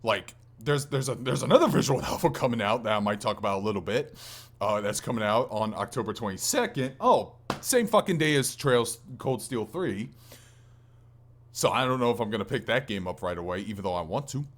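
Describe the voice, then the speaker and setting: This gaming podcast host has a fairly low, expressive voice and speaks a little fast. In casual conversation he rambles hesitantly and keeps revising what he's saying mid-sentence.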